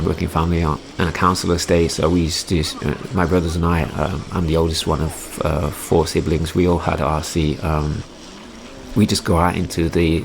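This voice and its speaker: Man, 40s, English Midlands accent; low gravelly voice, rambling casual vlog voice-over, noisy track. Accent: English Midlands, softened by years abroad. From England, Derby. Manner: rambling, many ums and restarts. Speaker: RC hobby YouTuber.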